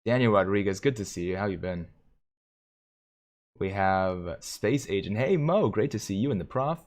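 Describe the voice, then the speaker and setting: A man hosting a live stream, commenting on stock charts and reading viewer comments aloud with excitement. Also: fairly low pitch, normal speed. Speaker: livestream host.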